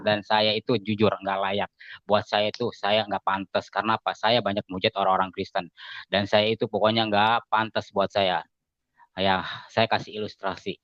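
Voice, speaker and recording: A man with a fairly low voice tells his story casually to an interviewer and acts out what others said. The recording is dry, with no room sound, and somewhat dull and lo-fi. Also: no room sound. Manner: animated storytelling, acting out quoted dialogue with raised pitch. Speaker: guest giving a conversion testimony. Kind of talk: casual spoken testimony.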